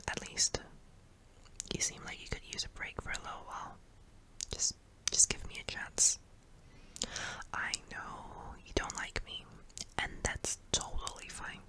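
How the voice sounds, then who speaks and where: A performer voicing a kindly, apologetic sleep paralysis demon in a soft, hesitant, breathy whisper for an ASMR roleplay. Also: measured pace, low-quality recording. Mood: apologetic, gentle.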